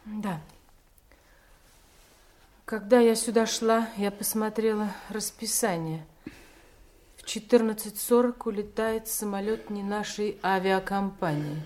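A woman's voice: mid-range voice, takes it slowly, pauses often, darkish tone, lightly acted. An actress playing a stubborn, distraught young woman in an audio drama, pleading and insistent with her lover. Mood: subdued.

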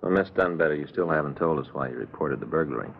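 An actor playing a terse, patient police detective in a 1950s radio drama, laconic and deadpan. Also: male voice, rumbling low, fast, gravelly, slight background noise. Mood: dry patience. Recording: thin phone-like vintage radio recording.

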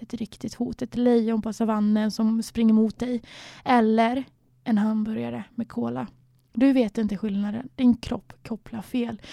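A woman's voice: fairly high pitch, creaky, a little mellow, dry recording, clean studio sound. A young woman from Sweden, candidly telling her own story in a reflective way, sometimes dropping to near a whisper. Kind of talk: personal storytelling.

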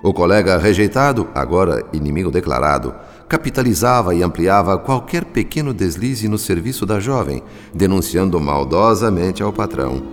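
A man narrating a radio drama in the first person as a reflective spirit analyst, measured and solemn in a literary storytelling manner. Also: deep voice. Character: reflective male spirit doctor, calm analyst. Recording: reverberant with background music.

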